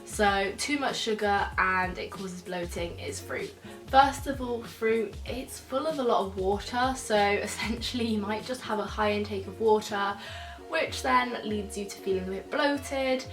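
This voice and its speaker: A young woman studying nutrition chats to camera as she reacts to videos, sounding croaky and stuffed up from a cold. Her voice is medium-pitched and a little slow, and she explains things in a chatty way, full of fillers like "so" and "yeah." She sits far from the mic in an echoey room, slightly off-mic, with soft music behind her.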